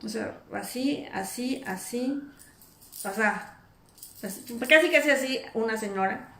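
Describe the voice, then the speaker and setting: Animated woman preaching, echoey room. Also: on the high side, unhurried. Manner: animated, acts out imagined speakers. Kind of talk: informal sermon.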